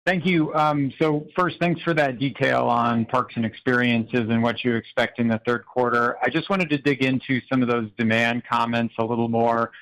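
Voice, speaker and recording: A man speaking as an analyst, politely and a little haltingly putting a business question on a conference call. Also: mid-range voice, steady tone, fairly bright tone, no echo, poor audio.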